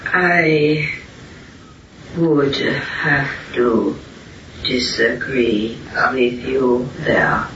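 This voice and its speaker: A distant, echoing recording carries a man's bright, firm voice giving spiritual teaching. He speaks extremely slowly in short, solemn, deliberate phrases, with barely any rise or fall. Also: mid-range voice. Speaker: spiritual teacher answering questions. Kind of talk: spiritual discourse in question and answer. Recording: roomy, distant, muffled, hissy amateur recording.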